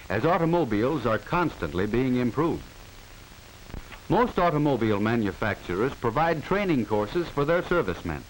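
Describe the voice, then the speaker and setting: Old timey american guy narrating an educational film, formal but really varied pitch, bit of hiss on the track. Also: low-quality recording. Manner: formal, instructive, clearly enunciated. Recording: hissy 1940 film soundtrack. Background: steady hiss.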